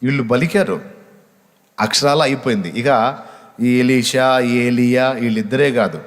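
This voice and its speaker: A man's voice: mid-range voice, unhurried. A man preaching a sermon as pastor, emphatic, repeating phrases for stress. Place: church hall. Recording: long church reverb.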